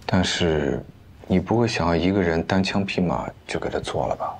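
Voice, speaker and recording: A wealthy investor in his thirties, rational and self-possessed. His voice is low and deliberate, in natural TV drama dialogue with light room noise behind. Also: lively intonation, vocal fry. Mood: calm, assured. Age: 30s. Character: composed, confident wealthy investor, rational and devoted.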